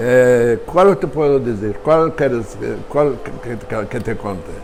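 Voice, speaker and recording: Very slow and lively in intonation, a man speaks in a room with audible echo and noticeable background noise. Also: medium pitch for a man. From Turkey, Izmir. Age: 80s+. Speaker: Ladino speaker, interviewee. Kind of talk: interview. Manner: halting, with frequent fillers.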